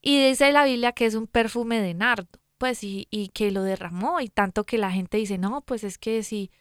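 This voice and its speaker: A woman's voice: fairly high pitch, normal speed, smooth, no echo, clean studio sound. A woman co-hosting a casual faith talk, retelling a Bible story in a chatty, folksy way with lots of "pues" asides. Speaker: Christian talk co-host.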